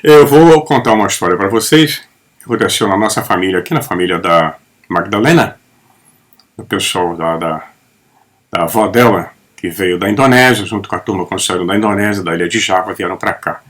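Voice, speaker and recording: A man's voice: low voice, brisk. A man, giving an opinionated, rambling monologue full of personal stories. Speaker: channel host. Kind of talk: casual spoken monologue. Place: home in the Netherlands.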